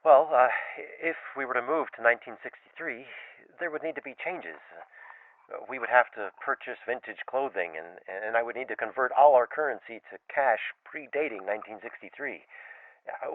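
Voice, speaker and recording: A man's voice: medium pitch, lively intonation, moderate pace, no room sound, phone-quality sound, close to an everyday voice. A man playing a flustered husband who narrates and talks in a hesitant, stammering way. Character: flustered husband and writer telling his tale. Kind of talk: audio drama narration and dialogue.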